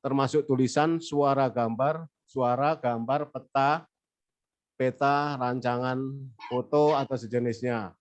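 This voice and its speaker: A man's voice: mid-range voice, steady tone, a little slow. A man with a cold presenting at a weekly discussion, reading formal legal procedures aloud from slides and moving through them point by point. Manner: reads formal legal text, says next slide between points. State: has a cold.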